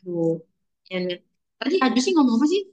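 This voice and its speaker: A woman's voice: fairly high pitch, sing-song, quick pace, darkish tone, lo-fi sound. A young adult woman teaching an online language lesson, chatty and playful, calling on her students by name.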